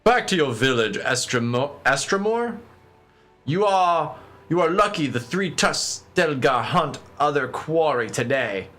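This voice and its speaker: A man's voice: fairly high pitch, expressive, unhurried, bright, forceful tone, soft background music. A man voicing a fierce, taunting tribal guard from a fantasy game in hammy, amateurish read-aloud acting. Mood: menacing. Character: menacing fierce tribal hunter guarding ruins, grinning with spear.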